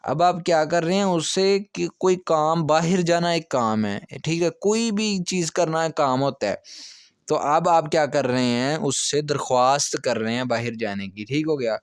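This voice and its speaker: Man teaching grammar, smooth clear voice. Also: fairly high pitch, moderate pace, no room sound, clean studio sound. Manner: patient, repeats checks like "okay" often. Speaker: language teacher. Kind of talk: explanatory grammar lecture.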